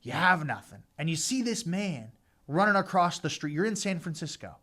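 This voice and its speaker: Male finance host, conversational explainer, fillers and repeats for emphasis, slightly high. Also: very animated, moderate pace, pushed and bright. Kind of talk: casual explainer talk.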